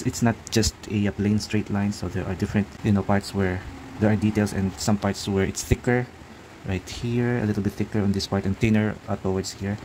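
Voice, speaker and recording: Filipino-accented man, lowish voice, halting tutorial talk, noisy background hum. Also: warm tone. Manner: halting, many fillers and restarts. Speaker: art tutor. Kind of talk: real-time drawing tutorial narration.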